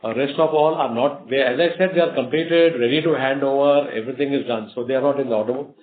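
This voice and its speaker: A man's voice: medium pitch, fast talker. Indian-accented executive man on a phone line. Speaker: company executive answering investor questions. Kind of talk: unscripted earnings call answers. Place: conference call. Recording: muffled narrowband conference phone line.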